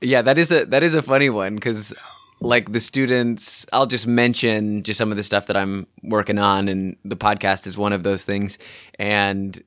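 Lowish-voiced man, dry close sound, bantering. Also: fairly even intonation, moderate pace, fairly bright tone, no echo. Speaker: podcast co-host. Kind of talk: casual chat.

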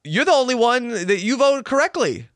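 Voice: medium pitch, sing-song, normal speed. A podcast host interviewing a guest, with frequent short affirmations. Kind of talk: casual interview.

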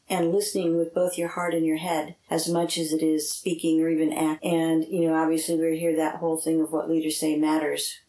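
Low-voiced woman in her seventies, roomy sound. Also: dark tone. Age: 70s. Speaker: interviewee, lay church member. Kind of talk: reflective interview answers.

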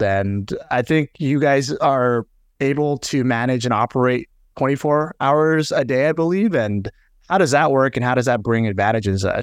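Male podcast host, mid-pitched and plain, dry close mic; friendly interviewer. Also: clear, resonant tone, no echo. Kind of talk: interview questions.

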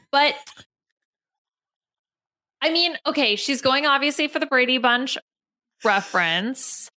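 Bright giggly woman leading the chat. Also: sits high, lively intonation, takes it slowly, pauses often. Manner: giggly, hedging, leads the segment. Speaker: podcast co-host. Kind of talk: casual chat reviewing a TV show.

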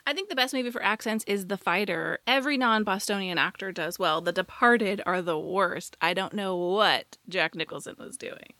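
A woman's voice: medium pitch, moderate pace, few pauses, bright, forceful tone, no echo. A woman co-hosting a podcast in a casual, conversational and emphatic way. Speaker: podcast co-host. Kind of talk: casual chat, reading listener email aloud.

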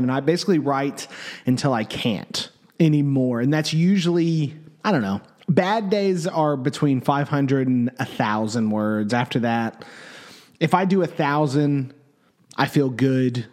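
A man's voice: medium pitch, moderate pace, a little mellow. A man co-hosting a podcast in a loose, chatty way, speaking into a microphone in an echoey office room. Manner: loose, chatty, self-correcting talk. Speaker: podcast co-host. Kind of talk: casual podcast chat. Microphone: desk microphone.

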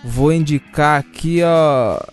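Higher-voiced young Brazilian man, slangy. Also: takes it slowly, faint music behind. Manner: slangy, informal. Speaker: podcast co-host. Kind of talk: casual podcast chat.

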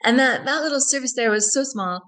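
A woman's voice: sits high, fairly quick, fairly bright tone, low-quality recording. A woman guest in a radio interview who tells a personal story earnestly and reflectively, often repeating phrases.

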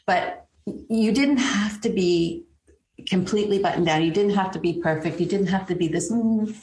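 A woman guest, a branding expert, talking reflectively in a casual interview with frequent pauses and fillers. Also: mid-range voice, darkish tone. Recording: echoey room.

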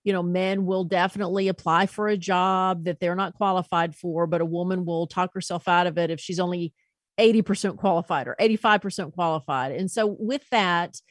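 Low-voiced woman hosting an interview. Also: steady tone, brisk, no echo, studio quality. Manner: asks long, searching questions with restarts. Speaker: podcast host. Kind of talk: interview questions.

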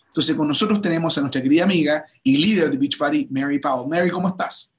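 A man's voice: on the high side, fast talker. A man hosting an enthusiastic promotional interview, talking with frequent restarts and repeated words. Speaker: host. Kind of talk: livestream interview chat.

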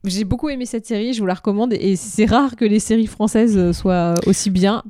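A woman co-hosting a couple's show in casual chat, teasing and quick to laugh. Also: medium pitch, mellow.

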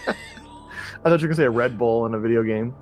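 A man's voice: medium pitch, huge pitch swings, brisk. Rambling enthusiastic male podcast host. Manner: rambling, enthusiastic, frequent restarts. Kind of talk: casual chat about horror movies.

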